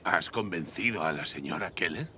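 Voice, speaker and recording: An actor voicing a stern, gruff old grandfather with a soft heart in an animated series. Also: low-pitched, moderate pace, a little hiss or hum, full character voice. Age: older. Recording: music behind the voice.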